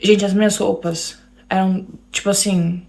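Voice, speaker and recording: A young woman with a Brazilian Portuguese accent, her voice carrying a steady gravelly fry. She tells her own story in an emotional way and keeps turning to speak straight to her listeners, at an ordinary pitch for a woman. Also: a little slow. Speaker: guest telling her story. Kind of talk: personal storytelling to an audience.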